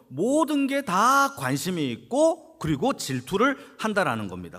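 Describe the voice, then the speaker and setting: A man's voice: on the high side, a bit bright. A man preaching a Sunday sermon as senior pastor, asking the congregation questions and answering them himself, and repeating key phrases for emphasis. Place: church sanctuary.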